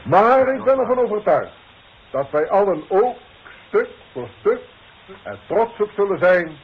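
Solemn, paternal boss for 1960s radio play: slow, swooping oratory, dull vintage recording. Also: male voice, sits high, sing-song, slightly rough, exaggerated voice. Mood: solemn, proud. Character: formal, paternal boss giving a ceremonial farewell speech. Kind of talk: 1960s radio drama acting.

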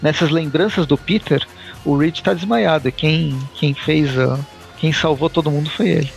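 Gravelly-voiced man hosting a podcast. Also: on the high side, moderate pace, soft background music. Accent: Brazilian Portuguese. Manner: laughs often, leads the discussion with questions. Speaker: podcast host. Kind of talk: casual comic book podcast chat.

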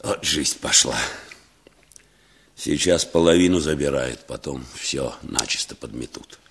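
Grumbly old peasant dad, super deep gravelly husky voice, radio play. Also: male voice, expressive, measured pace, full character voice. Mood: grim. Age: older. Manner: gruff, curt and grim. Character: stern old peasant father, bitter and grumbling.

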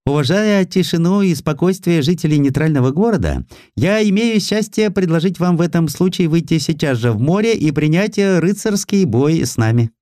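A man's voice: a little high, animated, normal speed, dark tone, no echo, studio quality, voice pushed up, natural voice. A man voicing an insolent Japanese naval lieutenant with florid, mocking politeness in an audiobook. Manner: florid, exaggeratedly polite speech.

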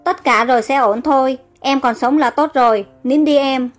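A woman's voice: high-pitched, moderate pace, lightly acted. A woman reading as an earnest protective elder brother. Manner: earnest, reassuring.

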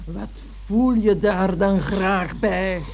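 An actress playing a coarse, thuggish grown daughter in a radio play, blunt and rude. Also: female voice, medium pitch, takes it slowly, vocal fry, a little mellow, a little hiss or hum. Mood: menacing.

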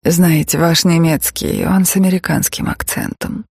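A man voicing a hushed, guarded East German woman. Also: a little high, fairly even intonation, moderate pace, husky, no room sound, studio quality, pitched above the performer's own voice. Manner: soft, hesitant, breaking off mid-sentence.

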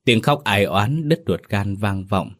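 A man's voice: fairly low pitch, lively intonation, unhurried, fairly bright tone. A man narrating a tragic village ghost story in a solemn, mournful, scripted style.

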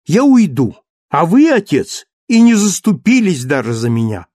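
A man's voice: high-pitched, moderate pace, husky, dry recording, studio quality, voice pushed up, heavily acted. A man voicing a playful, petulant young wife who coaxes and pouts. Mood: pouting, coaxing. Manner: coaxing, pouting, lively.

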